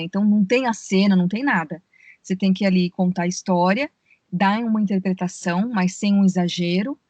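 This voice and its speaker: Articulate voice actress, dry sound. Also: female voice, medium pitch, darkish tone, no room sound. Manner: explains at length, many fillers like "né" and "assim". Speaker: voice actress and audiobook narrator. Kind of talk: podcast interview over a call. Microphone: remote call.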